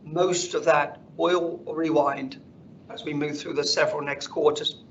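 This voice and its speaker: A man speaking as a company finance executive, presenting slides on an earnings call in a measured corporate delivery. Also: on the high side, steady tone. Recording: dull conference call audio, faint noise.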